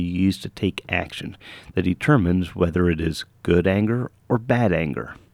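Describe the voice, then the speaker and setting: With an American accent, a man speaks at a very deep, low pitch and a moderate pace, showing ordinary pitch variation in a dry, close sound with no echo. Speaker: podcast host. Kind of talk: solo monologue.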